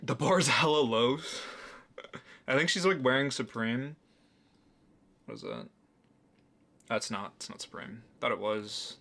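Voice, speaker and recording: A man's voice: mid-range voice, very animated, slow, gravelly, long pauses, bright, forceful tone. A young man hosting a reaction video, talking casually with incredulous, mocking asides and frequent laughs.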